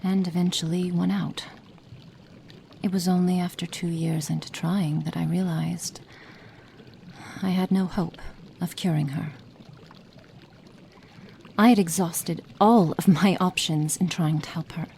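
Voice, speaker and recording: A woman voicing a cold, impatient female witch experimenter in an ASMR roleplay, speaking softly and partly in whispers, haughty and condescending. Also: fairly low pitch, steady tone, a little slow, gravelly, pauses often, slight background noise. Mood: musing. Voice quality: soft, partly whispered delivery.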